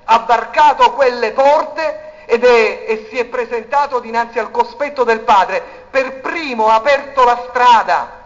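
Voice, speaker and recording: A man preaching a sermon, swinging between loud declaiming and hushed, intimate passages. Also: very high-pitched. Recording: dull recording in a reverberant hall.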